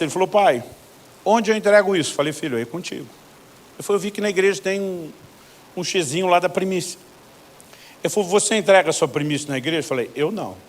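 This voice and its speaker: Brazilian pastor telling stories from the pulpit. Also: male voice, a little high, a little hiss or hum. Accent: Brazilian Portuguese. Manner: animated storyteller acting out both sides of conversations. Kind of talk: sermon storytelling with quoted dialogue.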